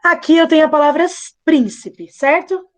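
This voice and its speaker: A woman with a high voice teaches children in a live online lesson. She is patient and playful, and she breaks every point into slow, clear steps. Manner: playful, patient, spells things out slowly. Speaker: primary school teacher.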